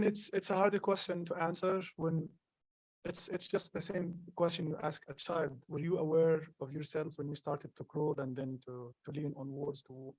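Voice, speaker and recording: A young man from Gaza whose first language is Arabic, a poet answering questions at a live event, halting and earnest with many restarts. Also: fairly high pitch, darkish tone, no echo, rough recording. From Gaza, Palestine. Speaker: poet, guest. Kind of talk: live conversation at a public event.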